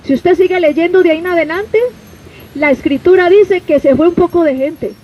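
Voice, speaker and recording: High-voiced Colombian woman street preacher. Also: moderate pace, dull audio. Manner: preaching with rhetorical questions and direct address. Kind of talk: open-air street sermon. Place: outdoors on a city street.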